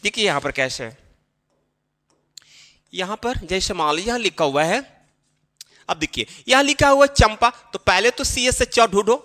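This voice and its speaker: A man with a high, very animated voice teaches a spelling lesson to small children. He talks slowly, repeats each step and speaks to the children directly. His bright voice rings with a long reverb. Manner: explains slowly and repeats himself, addressing children. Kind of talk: classroom-style spelling lesson.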